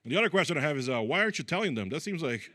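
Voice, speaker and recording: Very fast and a little high, this man's voice comes through with no echo as he performs stand-up at a comedy club. He was born in Brazil, speaks Portuguese as his first language, and keeps a deadpan delivery with crude punchlines and lots of fillers.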